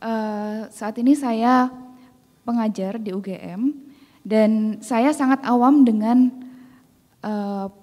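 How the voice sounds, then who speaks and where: A woman's voice: on the high side, takes it slowly, long pauses, mellow, in a large hall. A woman, a university lecturer, introducing herself and asking a question modestly, with hesitations. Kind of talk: formal question.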